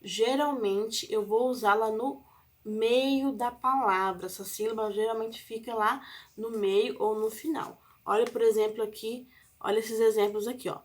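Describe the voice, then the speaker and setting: A woman's voice: on the high side, fairly even intonation, a little slow. A woman teaching a Portuguese spelling lesson with a Brazilian accent, patiently spelling out and stressing example words for young learners. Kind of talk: recorded classroom lesson.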